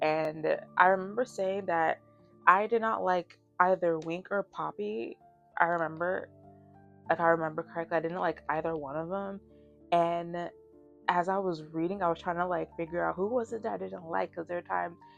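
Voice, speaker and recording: Music plays in the background as a woman with a fairly low pitch speaks at a fairly quick pace with fairly even intonation. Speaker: book reviewer. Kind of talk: casual talk to camera.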